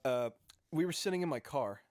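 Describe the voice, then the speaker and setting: A man's voice: a little high, lively intonation, fairly quick, a little mellow, no room sound, clean studio sound, faint music behind. A young man, a podcast co-host, telling a long story about an unhelpful friend in an exasperated way, swearing freely. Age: young adult. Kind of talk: casual storytelling chat.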